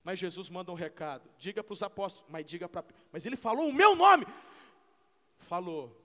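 A man preaching a sermon, emphatic and repetitive, swinging between loud, fervent peaks and slow, hushed passages. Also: high voice, expressive. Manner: emphatic, repeats phrases, frequent hallelujahs. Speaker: pastor. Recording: long hall reverb.

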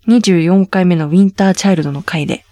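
A woman with a slightly low voice teaches Korean pronunciation in a relaxed, chatty way. She explains patiently and lifts her pitch on the words she stresses. The sound is dry and close. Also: quick pace, no echo. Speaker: Korean language teacher host. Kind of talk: casual language lesson chat.

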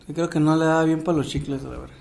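A man's voice: fairly high pitch, fairly even intonation, quick pace, gravelly, darkish tone. Teasing Mexican co-host man. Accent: Mexican Spanish. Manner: teasing, dry quips. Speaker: podcast co-host. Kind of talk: casual chat.

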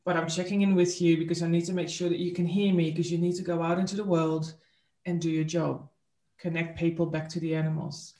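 A calm, caring male snake spirit speaks softly and plainly, as a woman puts him on, with a Dutch-tinged lilt. The words carry a roomy echo. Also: lowish voice, brisk, close to an everyday voice.

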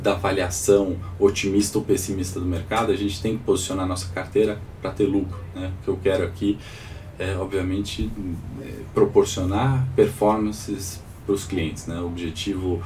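Low, congested Brazilian man with a sore throat. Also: steady tone, normal speed, darkish tone. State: congested, sore-throated voice from a cold, as with swollen tonsils. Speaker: host of a live financial morning call. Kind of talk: informal live market commentary with audience questions. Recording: distant mic with faint background noise.

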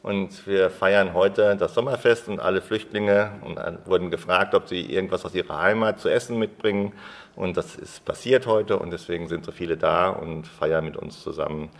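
Male chairman, very low voice, brisk and plain. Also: creaky. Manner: brisk, matter-of-fact. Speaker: association chairman. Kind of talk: interview explanation.

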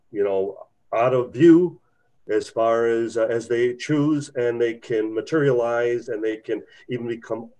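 A man's voice: medium pitch, mellow, low-quality recording. A man hosting a podcast, politely jumping in to add his own explanation in a casual chat. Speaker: podcast host.

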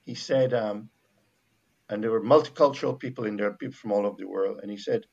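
A man from Barbados with a Bajan accent, speaking as a missionary guest in a casual faith conversation, reflective and halting with many restarts. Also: lowish voice, vocal fry, a little mellow, dull audio.

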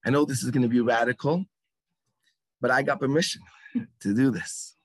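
A man from England with an English accent, speaking at a religious gathering and telling a story with dramatic pauses. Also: mid-range voice, breathy edge, no room sound. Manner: animated storyteller, acts out lines with dramatic pauses.

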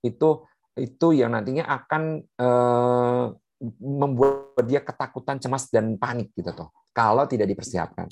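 A woman's voice: a bass voice, measured pace, darkish tone. A woman gives a seminar talk, explaining points one by one many fillers. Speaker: speaker on puberty in children with special needs.

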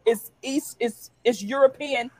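A woman's voice: on the high side, a little slow, darkish tone. A woman co-hosting a casual sports talk show, laughing and emphatic, drawing words out for effect. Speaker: co-host.

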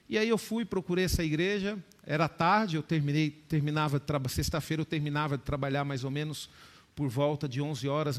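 Impassioned storytelling male preacher. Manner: storytelling, addresses the listeners as "dear ones" again and again; rises to high, loud emphatic peaks in his preaching. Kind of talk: sermon testimony.

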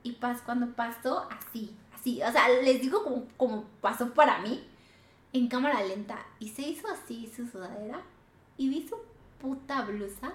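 A woman with a Mexican accent hosting a podcast, telling a story in animated casual chat, swearing a lot and acting out what people said. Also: on the high side, moderate pace, echoey room. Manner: animated, swears a lot, acts out quoted dialogue. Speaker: podcast host.

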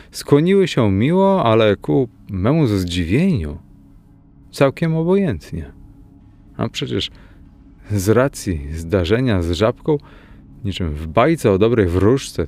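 A man narrating a first-person story as an audiobook, in a measured storytelling manner. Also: on the low side, very animated, a little mellow. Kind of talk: audiobook reading.

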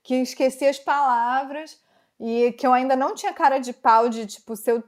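Woman telling a story, high voice, super expressive, acts out the quotes. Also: moderate pace. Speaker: podcast host telling a story. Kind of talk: casual chat.

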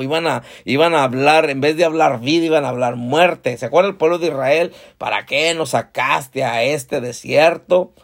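A man's voice: a little high, gravelly. A male pastor preaching a sermon conversationally, often calling the congregation brothers and asking them questions.

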